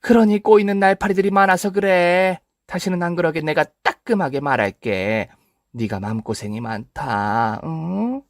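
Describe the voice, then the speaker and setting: A man's voice: fairly high pitch, normal speed, dry recording, clean studio sound, pitched above the performer's own voice, lightly acted. A man voicing a two-faced older mother-in-law who wheedles and sighs in a dialect-tinged drawl. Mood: coaxing.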